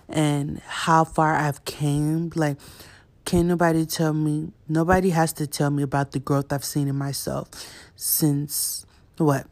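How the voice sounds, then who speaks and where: Flat-toned young woman telling her story. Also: low-pitched. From Houston, Texas, USA. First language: Yoruba. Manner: candid and chatty, many fillers like "you know". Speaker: podcast host. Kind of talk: personal storytelling.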